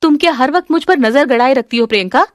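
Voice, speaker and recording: A woman's voice: high-pitched, fast talker, no echo, clean studio sound, lightly acted. A woman voicing a jealous, scheming young daughter-in-law who answers back shrilly and defensively. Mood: protesting.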